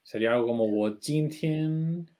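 Co-hosting a Chinese lesson podcast, a man whose dark voice sits on the high side talks at a moderate pace. His casual chat is full of questions and checks on his own understanding.

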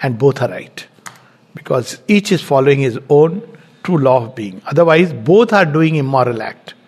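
A middle-aged man giving a reflective spiritual lecture, reading quotes slowly and explaining them in a measured way. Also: medium pitch, lively intonation, a little mellow, husky. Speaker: spiritual teacher giving a talk.

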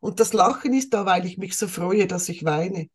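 A woman's voice: medium pitch, moderate pace, breathy edge. A woman voicing a troubled adult male client who earnestly insists on answers.

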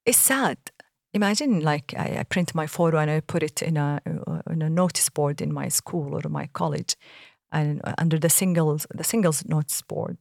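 A fairly low-pitched woman from Saudi Arabia co-hosts a casual podcast conversation, telling her stories animatedly and laughing often. Her voice is close and dry, with no room around it. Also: moderate pace, gravelly, darkish tone, no echo. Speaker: podcast co-host.

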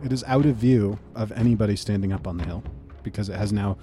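Relaxed male tabletop game master. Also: lowish voice, fast, faint music behind. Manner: explains rules and describes action in a relaxed way.

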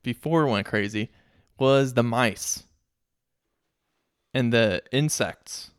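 Halting man in a dry, close recording. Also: mid-range voice, smooth, no room sound. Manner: halting, thoughtful, many fillers. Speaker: podcast co-host. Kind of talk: casual movie recap chat.

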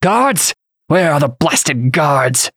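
An indignant bishop in an audiobook, acted out by a male narrator, raised in pitch. He splutters between outrage and frightened pleading. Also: very animated, takes it slowly, a bit bright, dry recording, clean studio sound, exaggerated voice. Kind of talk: audiobook character acting.

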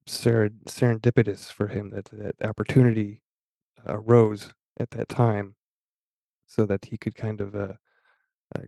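A man's voice: fairly low pitch, creaky, mellow, no echo. A man hosting a podcast, talking casually with many fillers and restarts and reading aloud from an article. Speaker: podcast host.

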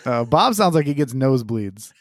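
A man's voice: medium pitch, sing-song, moderate pace, no echo, studio quality. A man co-hosting a podcast in casual chat, teasing and swearing as he jokes around. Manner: joking, profane, teasing. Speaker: podcast co-host.

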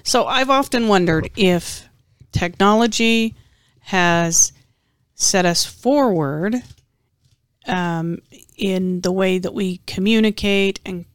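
A woman talks slowly and thoughtfully as a talk show co-host. Her medium-pitched voice is recorded dry, and she pauses mid-sentence in casual, reflective chat. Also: clean tone, no room sound.

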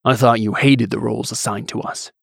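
A man voicing a large, stern male war god in an audiobook, with a gruff, disapproving manner. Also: medium pitch, steady tone, brisk, no echo, clean studio sound. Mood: skeptical. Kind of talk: audiobook character acting.

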